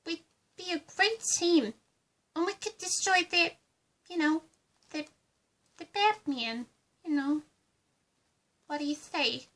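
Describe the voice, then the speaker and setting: A woman playing a giddy, childlike clown villainess with a high, girlish voice and cutesy, singsong delivery in an amateur roleplay. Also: pushed and bright, full character voice. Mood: teasing, coaxing. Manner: cutesy, singsong, pet-name-dropping.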